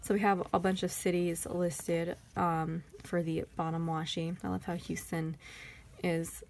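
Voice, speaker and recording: Gravelly-voiced Texan woman, chatty. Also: lowish voice, level tone, measured pace, darkish tone, slight background noise. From Texas. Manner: rambling, chatty, thinking aloud. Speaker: planner vlogger. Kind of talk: casual haul chat.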